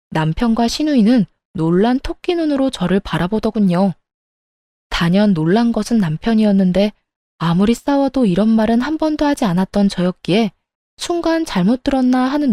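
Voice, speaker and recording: Female narrator for a first-person story; mellow, dry, confiding. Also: mid-range voice, no echo.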